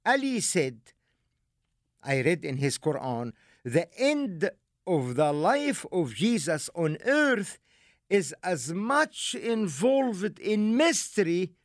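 A man from Egypt, giving a deliberate, emphatic teaching lecture with rhetorical asides. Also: high-pitched, big pitch swings, no echo, clean studio sound. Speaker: religious lecturer.

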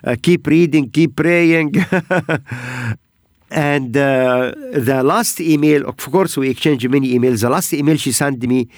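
A man speaking as a hosts a ministry broadcast, recounting testimonies in a sincere, unhurried voice. His phrasing is halting and broken by pauses. The sound is dry and close, with no room echo. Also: on the high side, a little mellow. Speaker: ministry program host.

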